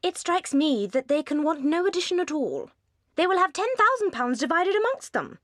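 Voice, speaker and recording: A high, lilting English wife who sweeps up and down as she coaxes, as a woman reads her. She is cold and grasping under a sweet, reasonable surface, in a dry, close storybook recording. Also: sing-song, normal speed, fairly bright tone, no room sound. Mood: coaxing. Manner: persuasive, coolly reasonable. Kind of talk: audiobook character reading.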